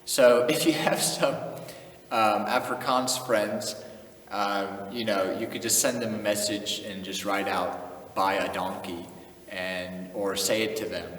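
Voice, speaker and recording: Young man hosting a casual vlog; easygoing and chuckling, slightly low, unhurried delivery, recorded from a distance in a reverberant room. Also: fairly even intonation, fairly bright tone. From United States. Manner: laid-back, chuckling, drops in Afrikaans phrases. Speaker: channel host. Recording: echoey room, voice from off-mic, faint noise.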